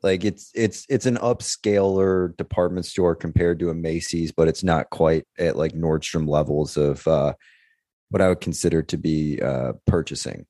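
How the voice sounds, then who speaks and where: A man's voice: extremely low pitch, steady tone, moderate pace, dark tone, no echo, studio quality. A man co-hosting a podcast, chatting casually with rambling conversational asides. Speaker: podcast co-host. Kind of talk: casual chat.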